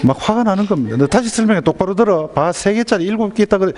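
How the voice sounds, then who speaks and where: A man's voice: high-pitched, big pitch swings, fast, pitched above the performer's own voice. A man voicing an impatient mother who nags and scolds her child over a math problem. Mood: scolding. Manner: exasperated, nagging, sharp rebukes.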